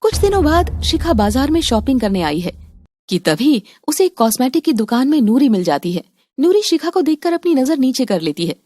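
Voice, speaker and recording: A woman narrating an animated family story in a calm, scripted storytelling manner. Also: sits high, moderate pace, slight background noise.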